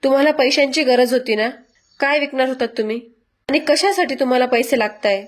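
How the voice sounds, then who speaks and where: A woman's voice: high voice, a little fast, close to an everyday voice. A woman voicing a stern young husband pressing his wife with questions. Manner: questioning, insistent.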